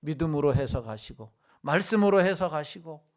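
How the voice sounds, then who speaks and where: A man preaching a sermon as a pastor, dramatizing quoted complaints with sudden loud bursts. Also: on the high side, expressive, moderate pace. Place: church sanctuary.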